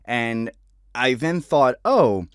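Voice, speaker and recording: A man's voice: lowish voice, normal speed, clear, resonant tone, dry recording, clean studio sound. A man talking casually to viewers as a voice actor, presenting favorite characters.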